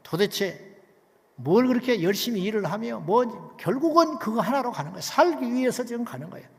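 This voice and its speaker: A male pastor preaching an emphatic sermon, dropping to near whispers and then rising loud, with many rhetorical questions to the congregation. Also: very high voice, animated, fairly quick, vocal fry, in a large hall.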